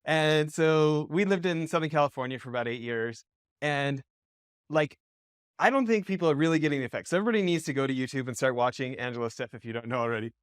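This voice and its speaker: A man's voice: on the high side, animated, fast, clear, resonant tone, dry recording, clean studio sound. A man from Western Canada hosting an interview, asking rambling questions full of restarts and fillers. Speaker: podcast host. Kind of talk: casual interview.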